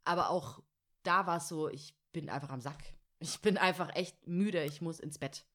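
A woman's voice: low voice, normal speed, a bit bright. A woman co-hosting a podcast in casual, slangy chat full of fillers. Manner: chatty, slangy, many fillers. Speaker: podcast co-host.

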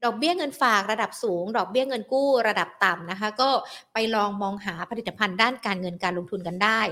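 A young woman hosting a stock market live stream, a little hoarse, chatting politely and greeting viewers. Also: mid-range voice. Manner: polite, chatty, peppered with soft sentence particles. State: slightly hoarse. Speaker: host of a stock market show.

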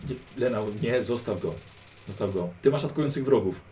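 A man's voice: mid-range voice, expressive, fairly quick, mellow. A man leads a tabletop game as game master, coaching a player step by step with patient, repeated instructions. He sits some way from the microphone. A faint hum of background noise runs under his voice. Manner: patient, instructive, drill-like repetition. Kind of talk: narrating a tabletop game in character. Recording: distant mic with background noise.

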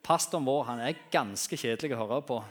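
A man's voice: mid-range voice, close to an everyday voice. A man voicing a chatty, tactless male church greeter who talks in a friendly, confiding way.

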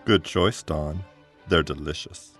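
An actor playing a charming, ingratiating middle-aged university dean in an audio drama. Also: male voice, rumbling low, slow, a bit bright, faint music behind, exaggerated voice. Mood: charming, sly.

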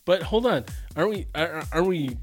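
A man's voice: a little high, expressive, fairly quick, over music. A man co-hosting a casual podcast chat, laughing easily and often trailing off mid-thought. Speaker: podcast co-host.

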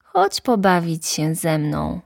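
A woman voicing the Little Prince, a gentle and lonely young boy, in an earnest, wondering storybook reading. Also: deep voice, big pitch swings, slow pace, gravelly, no room sound, clean studio sound, full character voice.

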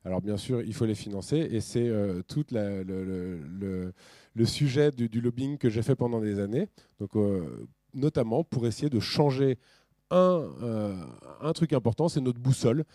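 A man giving a lively, off-the-cuff talk with slides, full of restarts and fillers. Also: mid-range voice, normal speed, no echo. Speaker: speaker.

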